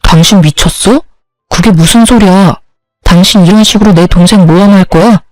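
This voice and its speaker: A woman's voice: medium pitch, moderate pace, darkish tone, no room sound, faint music behind, natural voice, low-quality recording. A woman voicing a husband who pleads and defends his sister, in a storybook reading. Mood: angry.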